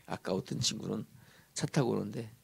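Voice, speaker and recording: A male pastor preaching a sermon in a church sanctuary, animated and often asking the congregation questions. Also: on the low side, fairly quick, vocal fry, husky.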